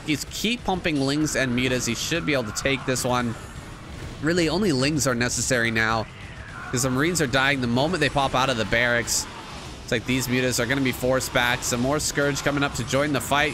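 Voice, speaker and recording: A man giving solo play-by-play commentary on a strategy video game, excited and rambling, while losing his voice. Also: mid-range voice, background noise. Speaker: game caster.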